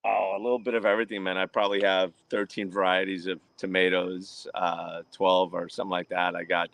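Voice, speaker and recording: A man who grew up in New Jersey, born in Portugal, chatting as a guest on a video call from outdoors in his garden, talkative and quick to laugh. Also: deep voice, level tone, creaky, fairly bright tone. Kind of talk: casual video chat.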